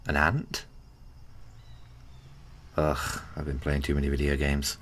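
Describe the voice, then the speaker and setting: A man playing an easygoing, gently teasing giant friend in a casual, hesitant, intimate ASMR roleplay. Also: rumbling low, completely flat delivery, a little hiss or hum, full character voice. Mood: cheerful, chatty. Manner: hesitant, chuckling, unhurried casual talk.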